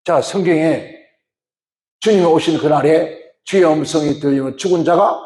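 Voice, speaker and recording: High-voiced preaching man, echoey church. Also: moderate pace, a little mellow. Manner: preaching with questions to the congregation. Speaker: pastor. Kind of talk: sermon.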